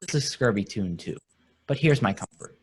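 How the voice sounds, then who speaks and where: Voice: medium pitch, lively intonation, normal speed, breathy edge. A performer playing a bawdy, swaggering shipwrecked sailor in a Shakespeare radio play. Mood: singing, bawdy.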